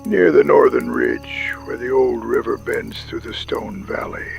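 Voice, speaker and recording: A man playing a solemn older Native American chief in an audio drama, speaking gravely and with foreboding. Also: mid-range voice, wildly swooping pitch, measured pace, heavily acted. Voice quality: gravelly, creaky. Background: music and night insects.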